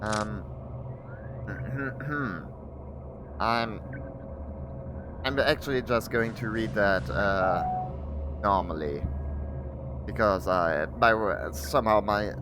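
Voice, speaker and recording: A man's voice: on the low side, drawn-out words, pauses often, background noise. A man from Germany with a German accent, reading game texts aloud on a livestream and adding casual comments. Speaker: game streamer.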